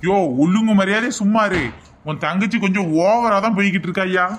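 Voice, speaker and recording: A put-upon brother-in-law from a cartoon comedy complains at length about his demanding wife, as a man puts him on. The voice sits fairly high for a man and drags along slowly. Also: steady tone, fairly bright tone, a little hiss or hum. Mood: aggrieved. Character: exasperated brother-in-law, a man in middle age.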